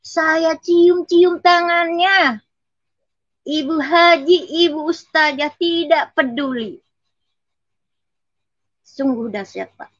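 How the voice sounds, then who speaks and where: A woman's voice: high voice, takes it slowly, pauses often, fairly bright tone, dry recording, dull audio. A woman with a Betawi accent gives an earnest, emotional personal testimony and respectfully addresses her listener as sir. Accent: Betawi Indonesian. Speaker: testimony giver.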